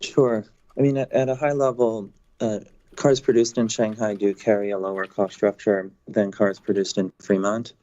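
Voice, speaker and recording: A man's voice: lowish voice, level tone, moderate pace, warm tone. A man speaking as a company executive on an earnings call, answering analysts in an explanatory corporate way over dull conference audio. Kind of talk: business briefing, answering analyst questions.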